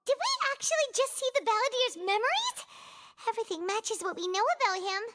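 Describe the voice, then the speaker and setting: A woman's voice: extremely high pitch, sing-song, a little fast, background noise. A woman voicing a small, wise, earnest girl deity in a video game, speaking carefully. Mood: concerned, puzzled. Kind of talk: video game dialogue acting. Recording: loud music under the voice. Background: loud game music.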